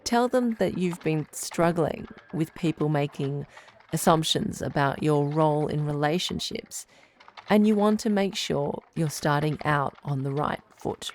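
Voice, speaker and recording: A woman playing a calm, supportive radio advice doctor, speaking in a deliberate, reassuring way. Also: sits low, a little hiss or hum. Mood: measured, supportive. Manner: reassuring, deliberate, clearly phrased. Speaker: radio call-in show host. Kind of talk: radio advice show, measured delivery.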